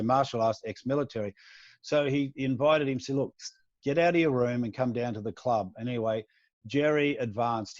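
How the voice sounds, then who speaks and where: A male co-host tells long stories in a rambling, casual way, correcting himself as he goes. His voice is mid-pitched. The sound is dull, dry and lo-fi. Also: darkish tone, no room sound. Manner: rambling storyteller with many restarts. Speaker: podcast co-host. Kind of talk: casual interview talk.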